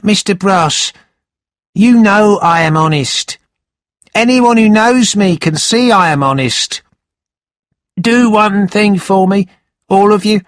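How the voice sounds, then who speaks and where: A man's voice: animated, slow, long pauses, dry recording, clean studio sound. A man reading a storybook aloud, voicing an honest young male servant who pleads earnestly in a raised voice. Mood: pleading. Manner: earnest, high-pitched pleading.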